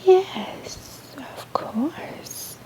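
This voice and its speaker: A woman's voice: very high voice, animated, extremely slow, warm tone, voice pushed up, full character voice. A woman whispering as a sly wolf posing as granny. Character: cunning male wolf posing as a sick granny. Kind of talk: ASMR storybook reading.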